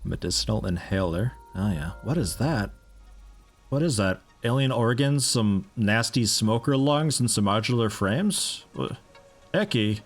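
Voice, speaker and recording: A young man with a lowish voice and a mixed American accent, tinged with picked-up European mannerisms. He chats casually and rambles as he streams a game, interrupting himself with amused asides. Faint music plays underneath. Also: animated, a little slow. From United States. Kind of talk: casual live-stream chat while playing.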